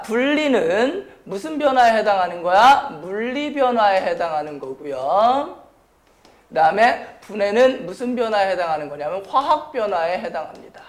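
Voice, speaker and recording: High-pitched man teaching, strained throat. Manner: question-and-answer delivery, repeatedly prompting students; blunt, informal speech to students. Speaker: science teacher. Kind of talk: high school chemistry lecture.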